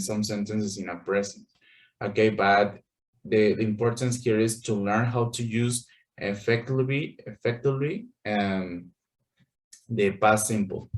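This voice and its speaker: A man teaching an English class over a video call, patient and full of fillers, checking in with "okay" often. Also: lowish voice.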